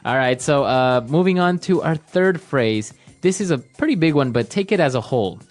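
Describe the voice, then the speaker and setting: A man's voice: fairly high pitch, animated, moderate pace, soft background music. A man co-hosting an English-learning podcast, steering the segments in a casual teaching chat and checking in with frequent "all right" and "very good".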